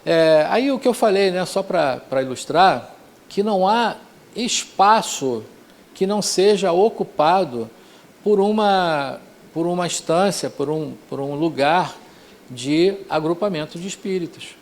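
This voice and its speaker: Man teaching with a lively voice. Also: sits high, unhurried. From Rio de Janeiro, Brazil. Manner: conversational, frequent "né?" tags and restarts. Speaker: course teacher. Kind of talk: informal spiritual lecture.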